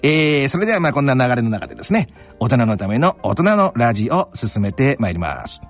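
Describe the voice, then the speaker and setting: A man's voice: medium pitch, fast, faint music behind. A man from Kanto hosting a radio talk show, telling stories with many fillers in a studio. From Kanto, Japan. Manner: animated storytelling with many fillers. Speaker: radio interviewer.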